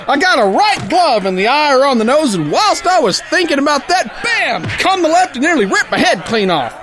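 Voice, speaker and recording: A brash, none-too-bright sailor prizefighter spins his pulp radio-play tale in rough, folksy diction. His voice sits very high for a man and has a hard, bright edge. The delivery is boisterous and exclamatory, with lively swings in pitch. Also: heavily acted. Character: brash, hot-headed, dim-witted brawling male sailor boxer telling his tale. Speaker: audio drama narrator and lead actor. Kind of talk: theatrical first-person pulp story narration.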